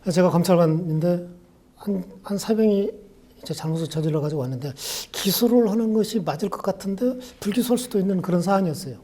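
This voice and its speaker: An older man from Jeolla, South Korea, in his sixties, telling stories from his life at a farewell lecture. His voice is mellow and dark with a husky edge, and he unfolds each anecdote in a reflective, conversational way. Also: sits high, fast. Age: 60s. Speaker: law professor. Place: university lecture room.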